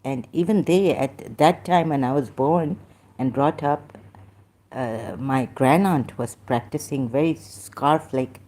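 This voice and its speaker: A woman from Pakistan with a Pakistani accent, talking in a rambling, halting way with many fillers and restarts. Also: extremely low pitch, mellow. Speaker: vlogger. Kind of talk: casual monologue, reading aloud at times.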